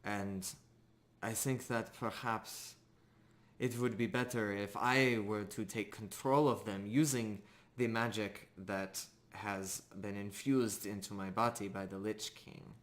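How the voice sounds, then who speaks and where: Casting: man as grave undead woman knight in a tabletop fantasy game, earnest and pleading, formal, slow halting delivery, low pitch. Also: steady tone.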